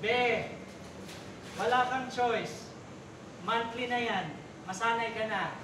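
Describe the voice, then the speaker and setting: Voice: mid-range voice, takes it slowly, natural voice. An actor in a staged play reading, playing a flamboyant gay older brother who talks campily in exclamations, mixing in English. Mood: campy coaching. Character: flamboyant, campy gay older brother minding his little sister. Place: basement theater stage. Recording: echoey stage room, distant, loud background noise.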